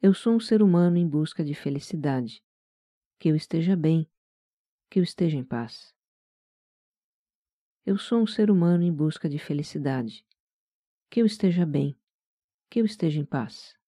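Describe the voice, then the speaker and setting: Very dark, mellow guided meditation voice. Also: medium pitch, normal speed, pauses often, dry recording, clean studio sound. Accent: Brazilian. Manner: gentle, calm, soft-spoken. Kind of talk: guided meditation, soothing scripted narration.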